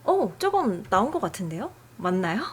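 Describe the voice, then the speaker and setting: A woman hosting a software tutorial, explaining settings in a friendly, chatty way. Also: medium pitch, sing-song, moderate pace, slight background noise. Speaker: tutorial host.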